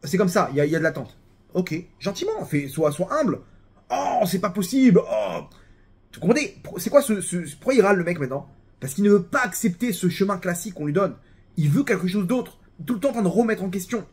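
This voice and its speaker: A man with a French accent giving a casual religious talk, animated and full of restarts and repeated words. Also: high voice, quick pace, breathy edge.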